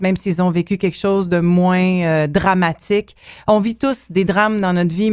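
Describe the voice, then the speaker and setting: A woman's voice: on the low side, a little mellow, clean tone, no echo, clean studio sound. Chatty Québécois woman hosting an interview. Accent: Québécois French. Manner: chatty, filler-heavy, speeds up and slows down. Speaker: interview host. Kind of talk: conversational interview.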